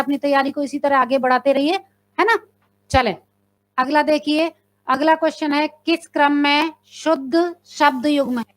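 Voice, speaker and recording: A woman's voice: sits high, a bit bright. A woman teacher leading a live exam-prep class, reading out questions and options, quizzing her viewers and confirming their answers. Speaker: Hindi teacher.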